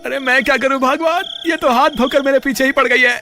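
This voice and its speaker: Cowardly cartoon man, comic wailing panic, voiced by a man; very high voice, music under. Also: steady tone, brisk, bright, forceful tone, full character voice. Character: cowardly whining man Bablu.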